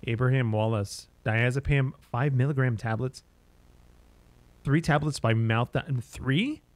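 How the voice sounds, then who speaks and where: A man's voice: medium pitch, measured pace, no room sound. Casual, musing man commenting on a game. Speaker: streamer playing a horror game. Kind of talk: casual gameplay commentary and reaction.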